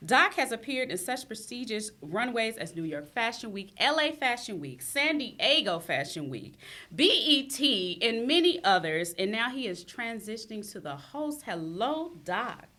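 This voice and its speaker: A woman hosts a casual podcast with a playful, hype-giving manner. Her voice is bright and sits a little high, swinging widely up and down as she talks. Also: big pitch swings, a little slow. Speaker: podcast host.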